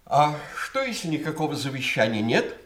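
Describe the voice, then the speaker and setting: An actor in a Soviet audio drama playing an uneasy, defensive middle-aged family lawyer, hesitant and formal, in a roomy recording. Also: male voice, a little high, very animated, normal speed, background noise. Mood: uneasy, careful.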